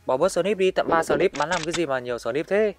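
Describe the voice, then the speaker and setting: Man, gameplay commentary, excitable, fairly high voice, calls out enemies, faint music behind. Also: fairly quick. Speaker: gaming channel host.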